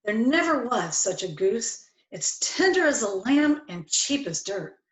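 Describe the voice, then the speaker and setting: Lady doing a sweet theatrical poor dad, highish voice all over the place, echoey room. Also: unhurried. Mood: excited. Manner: expressive, affectionate. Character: kindly, theatrical, good-humoured poor husband and father. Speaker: amateur reader, library staff. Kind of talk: dramatic reading of a classic story.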